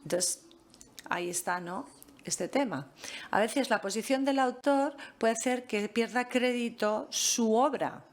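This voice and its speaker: A woman from France giving a master class, speaking in a measured way with frequent pauses and fillers. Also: fairly high pitch. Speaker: guest lecturer.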